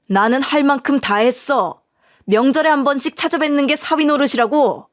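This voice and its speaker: A woman's voice: high-pitched, moderate pace, no room sound, clean studio sound, close to an everyday voice. A woman voicing a stubborn, blaming husband in a told story, speaking in a curt, scolding manner. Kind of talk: storytelling dialogue.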